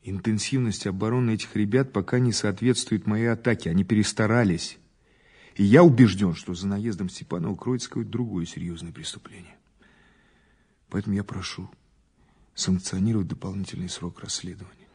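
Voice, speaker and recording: Husky male investigator, dry and persistent. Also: lowish voice, fairly quick, a little mellow. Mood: wry, firm. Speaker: police investigator. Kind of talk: Russian audio drama acting.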